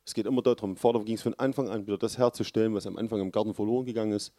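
A man preaching a sermon, with earnest, loud emphasis that drops to low, quiet lines. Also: fairly even intonation, racing, dry recording, clean studio sound.

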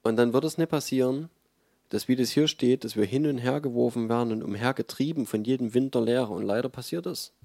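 A man's voice: mid-range voice, a little fast, creaky, mellow, no room sound, studio quality. A man giving a sermon in a conversational, emphatic way, with frequent fillers. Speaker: preacher.

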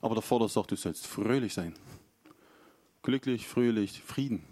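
Chatty preacher, dry close sound. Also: male voice, lowish voice, normal speed, mellow, no room sound. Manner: chatty, storytelling, acts out quotes. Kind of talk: informal sermon.

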